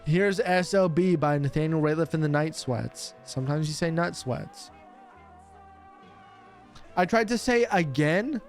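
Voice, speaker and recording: Brief: young man, playful streamer-radio host, teasing and quick to laugh, voice a touch high, faint music behind. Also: expressive. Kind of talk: casual chat while opening cards.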